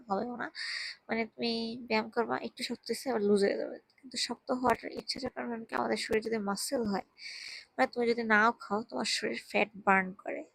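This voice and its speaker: A tired young woman, speaking very softly while lying down at home, giving casual health advice into a handheld mic. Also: on the high side, creaky, no room sound, low-quality recording. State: tired, drowsy. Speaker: vlogger. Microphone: handheld microphone.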